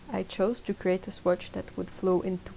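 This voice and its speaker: Music plays in the background as a woman with a non-native accent speaks at a moderate pace with monotone, flat intonation. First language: not English. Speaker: art supply reviewer. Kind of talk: product review voice-over. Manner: mumbling.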